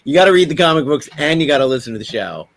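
A man's voice: fairly high pitch, expressive, racing. A man co-hosting a podcast in casual, conversational chat. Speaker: podcast co-host.

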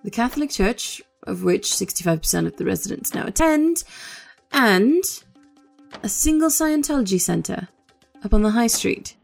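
A woman's voice: mid-range voice, animated, moderate pace, creaky, soft background music. A woman playing a matter-of-fact informant giving a briefing in an audio drama.

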